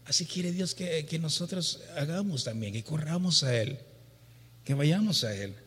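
A man's voice: on the high side, lively intonation, normal speed, breathy edge. A man preaching a sermon and reading from the Bible, often repeating words and tagging questions to the congregation. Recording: long reverb of a large hall.

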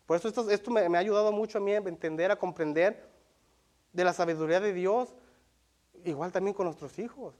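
A man preaching a sermon in Spanish, earnest and repetitive, often checking in with listeners and reading Bible verses aloud slowly. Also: sits high, darkish tone. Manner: earnest, repeats himself, asks the congregation "¿verdad?". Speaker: lay preacher.

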